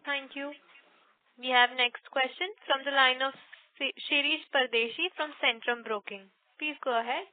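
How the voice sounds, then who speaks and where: A woman's voice: high voice, fairly even intonation, normal speed, no echo. A woman moderating a conference call as the operator, making formal announcements. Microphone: phone conference line. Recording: dry but tinny phone line.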